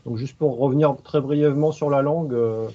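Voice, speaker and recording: A man's voice: medium pitch, normal speed, muffled recording. A man, speaking as an expert evaluator in a webinar, talking hesitantly with many fillers and restarts. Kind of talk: webinar discussion.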